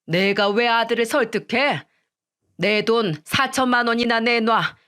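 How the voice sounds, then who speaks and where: A wronged older mother, as a woman reader plays her, talking slowly and bitterly with a scolding edge. The voice sits a little raised and heavy, in a storytelling radio reading. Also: on the high side, fairly bright tone, clear, resonant tone. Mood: scornful.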